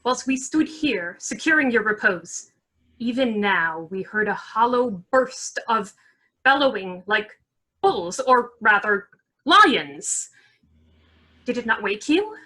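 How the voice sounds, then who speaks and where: A woman's voice: a little high, big pitch swings, slow pace, sharp tone, heavily acted, low-quality recording. A woman playing a scheming noble who makes urgent excuses, in a Shakespeare radio play. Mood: alarmed, emphatic.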